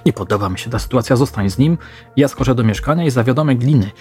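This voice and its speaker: A man's voice: medium pitch, fast, a little mellow, faint music behind, natural voice. A man voicing a worried woman who talks in an urgent, insistent way. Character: worried, decisive grown woman on street.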